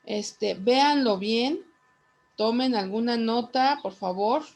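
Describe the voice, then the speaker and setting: A woman teacher, dictating notes to her class. Her voice sits fairly high, and she speaks slowly and deliberately, repeating each phrase so the students can write it down. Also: darkish tone.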